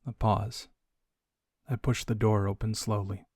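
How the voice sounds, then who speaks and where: A man reading scripted audiobook narration in a measured, hushed way with deliberate dramatic pauses. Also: fairly low pitch, flat delivery, slightly rough, dry recording, studio quality.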